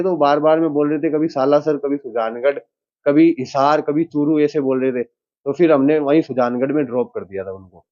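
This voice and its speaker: A young man from Rajasthan, a driver telling a reporter what happened, in a plain and halting way. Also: fairly high pitch. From Rajasthan, India. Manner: plain, halting retelling with quoted dialogue. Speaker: taxi driver and witness. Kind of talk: news interview account. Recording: dull lo-fi sound.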